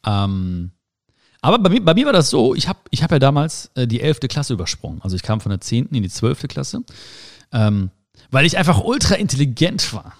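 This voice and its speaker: A young man talks straight to his listener in a casual advice monologue, reflective and personal. His pitch swings up and down in a lively way as he acts out small imagined conversations. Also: brisk. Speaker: podcast host.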